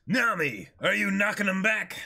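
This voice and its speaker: Guy putting on a bossy evil pirate captain, gloating and theatrical, bright forceful voice that swings around. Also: sits high, animated, normal speed, creaky, pitched above the performer's own voice, full character voice. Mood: boisterous, gloating. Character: boisterous, menacing pirate captain with theatrical villainy.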